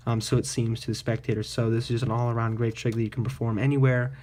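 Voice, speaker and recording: A man's voice: mid-range voice, little pitch movement, quick pace, a little mellow. A man presenting a card trick tutorial in casual magician patter, explaining informally step by step.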